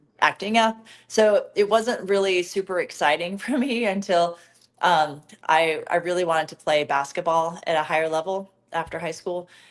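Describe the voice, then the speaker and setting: A woman's fairly low voice moves at a moderate pace, its pitch varying in an ordinary way. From US South, Greenville, South Carolina. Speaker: ultramarathon runner and advocate. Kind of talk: interview.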